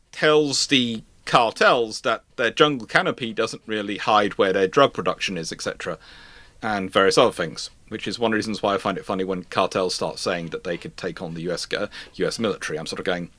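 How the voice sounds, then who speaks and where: A man with a bright, forceful voice explains things as host of a live question-and-answer session. He speaks haltingly, stammering and doubling back to reword himself. The sound is dry, with very little room in it. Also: on the low side, animated, no room sound. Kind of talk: live question-and-answer talk on military history and current affairs.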